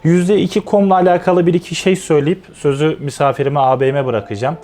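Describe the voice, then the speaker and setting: A man's voice: fairly high pitch, steady tone, fast talker, mellow. Upbeat interview host, man. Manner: friendly, upbeat, addresses viewers directly.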